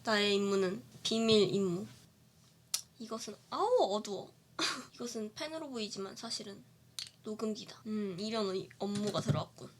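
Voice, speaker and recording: A woman's voice: medium pitch, normal speed, a little hiss or hum. A woman doing a casual live stream from a dim room on a webcam, chatting playfully and answering viewer comments. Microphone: webcam streaming setup.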